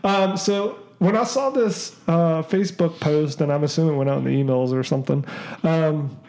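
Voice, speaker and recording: A man's voice: fairly high pitch, moderate pace, darkish tone. Rambling, joking male podcast host. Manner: rambling, joking, many fillers. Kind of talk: casual chat.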